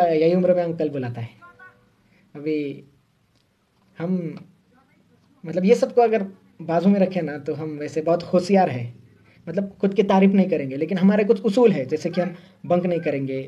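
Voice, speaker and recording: A man's voice: fairly high pitch, dark tone, slightly rough, highs cut off. A young man, playing a shy, earnest engineering student from a village in a scripted monologue. He talks hesitantly, with many fillers and wry self-mockery. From Uttar Pradesh, India. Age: young adult.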